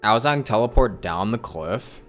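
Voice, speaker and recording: Livestreaming a game over background music, a man chats casually and thinks out loud, often repeating phrases as he rambles. His voice is fairly low, expressive and fairly bright, with a measured pace.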